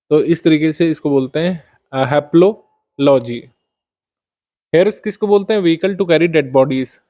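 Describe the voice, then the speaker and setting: A male teacher with a slightly high-pitched voice runs an exam-prep vocabulary class. He reads definitions slowly. He then explains them in Hindi, with frequent "uh" fillers. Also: warm tone.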